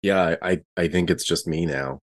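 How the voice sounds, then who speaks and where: A man's voice: low voice, sing-song, normal speed, vocal fry. Man improvising casually at a game table. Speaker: tabletop roleplaying player. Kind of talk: casual narration of his character's actions.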